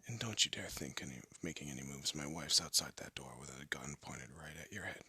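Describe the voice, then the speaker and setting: A hardened ex-gangster husband, protective and blunt, as a man acts him out in an audio roleplay. His voice is deep and gravelly, mostly a hushed whisper with a sharp, tense edge. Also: fairly quick, a little hiss or hum, exaggerated voice. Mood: stern. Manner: low threatening whisper. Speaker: voice actor.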